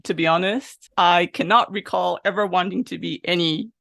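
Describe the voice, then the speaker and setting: A woman, a guest answering thoughtfully with soft laughs and frequent pauses. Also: on the low side, fairly even intonation, vocal fry, no room sound, studio quality. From Japan, raised in Texas. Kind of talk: casual interview chat.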